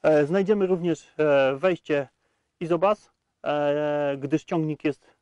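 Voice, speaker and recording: A man's voice: on the high side, slow pace, a little mellow, dry recording, dull audio. A man in his thirties presenting a tractor test outdoors in a field, talking with frequent hesitation sounds between facts. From Poland. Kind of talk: product review walkaround.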